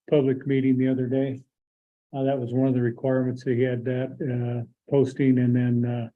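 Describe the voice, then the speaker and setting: A hoarse man chairing a county board meeting, explaining an agenda item haltingly with many filler pauses. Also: medium pitch. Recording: tinny phone-like audio.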